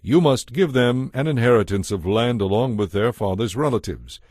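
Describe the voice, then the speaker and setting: A man giving a measured, formal narration of scripture from a script. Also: mid-range voice, lively intonation, a little mellow, dry recording, studio quality. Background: music.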